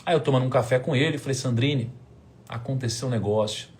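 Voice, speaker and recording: A Brazilian man in his thirties telling a personal story on a live stream, acting out past conversations and swinging from hushed counting to loud excited outbursts. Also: medium pitch, quick pace.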